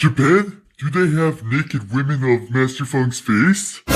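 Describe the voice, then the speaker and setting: A man's cartoonish character voice at medium pitch, fairly slow, against a quiet background. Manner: rambling, distracted.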